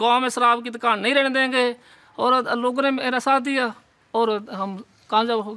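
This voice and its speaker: A man speaks in a raised, projected voice with a bright, sharp tone and fairly even intonation. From Punjab. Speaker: village head. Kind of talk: interview.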